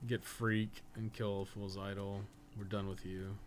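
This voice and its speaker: A man's voice: fairly low pitch, flat delivery, measured pace. A man giving casual live gameplay commentary, thinking aloud in a rambling, sweary way with jokey asides. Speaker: video game streamer, podcast co-host. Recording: clearly noisy background.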